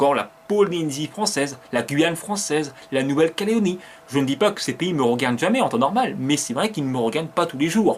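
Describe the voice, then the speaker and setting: Fairly quick, lively speech from a man with a fairly high voice, over noticeable background noise. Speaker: YouTuber. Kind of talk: video retrospective commentary. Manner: fast; stuttering.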